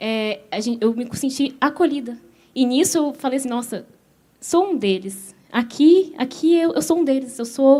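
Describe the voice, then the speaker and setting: The voice has a dark, mellow tone and a Brazilian accent. It moves at a fairly slow pace with lively intonation. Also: woman, high pitch for a woman. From Belgium. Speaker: missionary's daughter. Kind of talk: testimony.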